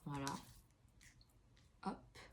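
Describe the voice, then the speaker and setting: A woman reading oracle cards in a casual, chatty way, full of fillers and restarts, in a room with an open window. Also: very slow. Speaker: tarot card reader. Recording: faint street noise through window.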